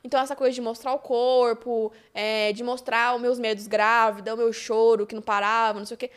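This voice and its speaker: A young woman with a Brazilian Portuguese accent, a guest in an interview, telling a personal story in a casual, animated way and acting out the dialogue. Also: on the high side, a little fast, smooth. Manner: animated, acts out dialogue in quoted voices.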